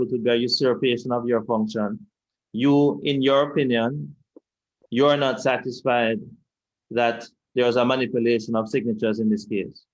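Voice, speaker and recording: A man with a Jamaican accent, a lawyer questioning a witness at an inquiry in a measured, deliberate, repetitive way. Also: medium pitch, highs cut off. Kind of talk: courtroom cross-examination. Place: inquiry hearing room.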